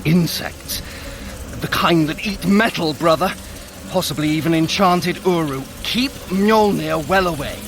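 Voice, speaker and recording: A man playing a quick-witted, scheming god in an audio drama, sardonic, urgent and commanding in manner. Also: fairly high pitch, noisy background. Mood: tense. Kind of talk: audio drama acting for a fitness adventure.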